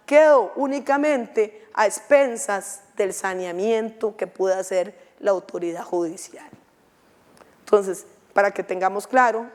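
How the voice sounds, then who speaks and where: A woman giving a conference lecture to students, often asking the audience questions. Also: mid-range voice. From Costa Rica. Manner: lively, questioning the audience with frequent tag questions. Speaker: legal advisory coordinator giving a talk. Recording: long hall reverb.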